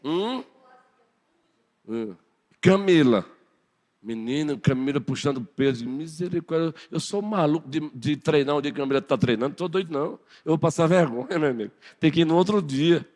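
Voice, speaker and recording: A man's voice: on the high side, animated, normal speed, darkish tone. A man with a Brazilian Portuguese accent giving a Sunday morning sermon, playfully teasing his congregation. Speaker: pastor. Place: church sanctuary. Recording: long church hall reverb.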